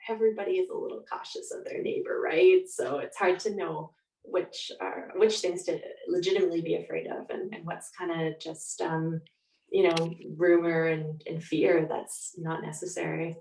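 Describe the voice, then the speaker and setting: A lower-pitched woman with a Canadian accent speaks as an author being interviewed. Her talk is reflective and conversational. The recording is roomy and echoey, with her voice set back from the mic. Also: fairly even intonation, normal speed, vocal fry, a little mellow. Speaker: author guest. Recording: echoey room, distant from mic.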